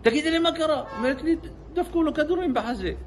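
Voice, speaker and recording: A distraught man speaks in a high, strained voice, his voice breaking as he tells what happened. The recording is noisy, with a clear hiss under the voice. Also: lively intonation. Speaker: bereaved father interviewed. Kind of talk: emotional recorded account.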